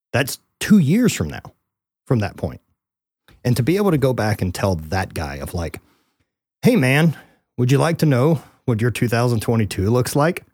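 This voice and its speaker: Very wide pitch swings and long, frequent pauses mark a man's speech in a very clean recording with a silent background. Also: medium pitch for a man, moderate pace. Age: 30s. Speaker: Highland Games athlete and entrepreneur. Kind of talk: casual chat.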